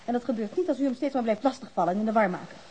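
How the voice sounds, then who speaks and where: A woman's voice: a little high, very fast, mellow, natural voice, rough recording. A woman playing a strict, bossy hospital nurse with a scolding manner in a Dutch radio drama. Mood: stern, indignant. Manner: stern, scolding. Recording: hissy old radio drama recording.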